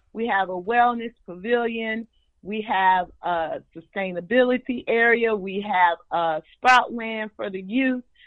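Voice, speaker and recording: A woman talks fairly slowly in a normal speaking voice, pitched fairly high with ordinary pitch variation. Her loudness swings widely. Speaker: festival organizer guest. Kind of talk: radio interview. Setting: phone call.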